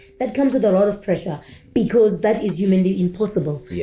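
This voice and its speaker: Somewhat breathy, a woman's voice has a dark, mellow tone. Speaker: football referee. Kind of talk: interview answer. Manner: soft-spoken.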